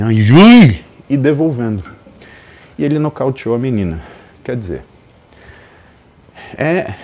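A man's voice: mid-range voice, dark tone. A man in his forties with a Brazilian Portuguese accent, telling a story as host of a live stream and acting out the people in it.

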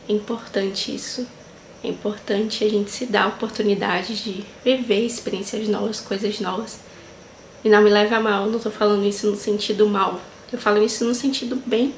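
A woman in her twenties vlogging to camera, speaking in an earnest, heartfelt way and often checking in with her viewers. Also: medium pitch. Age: 20s. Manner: earnest, heartfelt, leans on fillers like "sabe" and "né". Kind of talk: casual reflective vlog talk. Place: small tiled room indoors. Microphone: camera at close range. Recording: echoey tiled room, faint noise.

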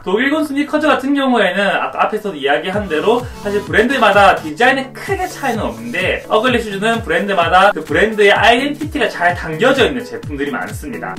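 A high-voiced man presents a product review with lively, swinging intonation. He explains politely, like an online presenter. The sound is roomy, as if the microphone sits a little way off. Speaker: fashion YouTuber presenting shoe recommendations. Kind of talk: prepared product review to camera. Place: small indoor room with curtains. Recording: roomy echo, distant microphone. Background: faint music.

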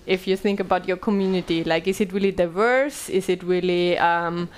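In a small, bright meeting room, a thirtysomething Austrian woman speaks English as she moderates a panel, heard through a headset mic. Her voice is lowish and smooth at normal speed, with plenty of fillers and restarts.

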